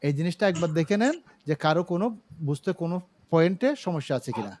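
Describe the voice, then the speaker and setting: A man's voice: fairly high pitch, fast, darkish tone. A man teaching English over a video call, speaking in a slightly raised voice. He explains patiently, repeats key words and draws on everyday examples. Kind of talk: online English grammar class.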